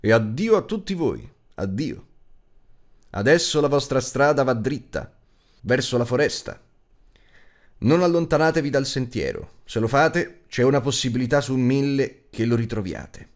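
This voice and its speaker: A man's voice: medium pitch, sing-song, a little slow, pitched above the performer's own voice. A man voicing a stern, commanding old wizard in an audiobook, admonishing and teasing with emphatic delivery. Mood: grave warning. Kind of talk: audiobook character acting.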